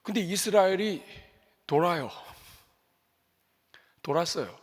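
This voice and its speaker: A male senior pastor preaching an animated sermon, questioning the congregation and acting out prayers in quoted voices. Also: high voice, takes it slowly. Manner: acts out prayers and God's commands in quoted voices. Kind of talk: Sunday afternoon sermon. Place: church sanctuary. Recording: long hall reverb of a church sanctuary.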